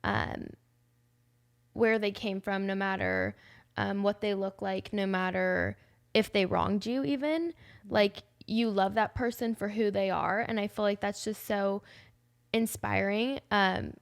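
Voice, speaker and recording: A young woman in her twenties hosting a faith podcast, talking casually and warmly with lots of "like" fillers. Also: medium pitch, animated, measured pace, gravelly. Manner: chatty, many "like" fillers, emotional. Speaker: podcast host. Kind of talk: casual heartfelt chat.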